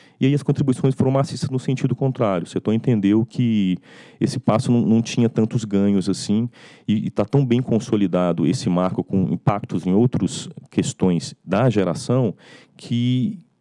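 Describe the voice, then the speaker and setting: A man speaks at a moderate pace with ordinary pitch variation and a dark, mellow tone. The background is quiet. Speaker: regulatory agency technical staff. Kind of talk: technical presentation. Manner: halting, many fillers. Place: office.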